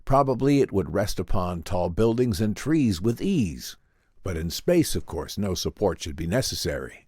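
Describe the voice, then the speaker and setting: A man puts on a learned male professor with a low voice and animated intonation. He explains things formally and earnestly, choosing his words with deliberate care, in the manner of an old-time radio drama. The sound is close and dry. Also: husky, dry recording, full character voice. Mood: grave, cautious.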